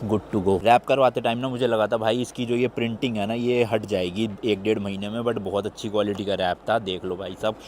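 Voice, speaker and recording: A man from India talking casually to his viewers in a travel vlog, chatty and addressing them as brother, standing outdoors by a highway. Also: steady tone, brisk, hardly any pauses, darkish tone, a little hiss or hum. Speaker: travel vlogger. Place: outdoors at a highway lay-by with traffic passing.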